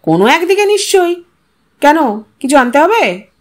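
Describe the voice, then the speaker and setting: A woman's voice: high-pitched, big pitch swings, unhurried, voice pushed up. A woman storyteller playing a defiant teenage boy who answers in a curt, offhand way. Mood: cool, offhand. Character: defiant, dismissive teenage boy, newly grown up.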